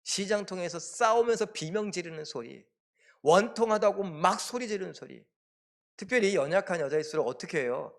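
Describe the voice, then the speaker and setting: A man's voice: high-pitched, animated, normal speed, gravelly, fairly bright tone. A male pastor preaching at a Friday prayer meeting, emphatic, asking the congregation rhetorical questions. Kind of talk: sermon.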